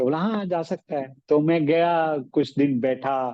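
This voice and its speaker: Here a man speaks with fairly even intonation. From Assam, northeast India. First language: Assamese (speaking Hindi). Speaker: actor. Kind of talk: interview. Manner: hesitant, with fillers.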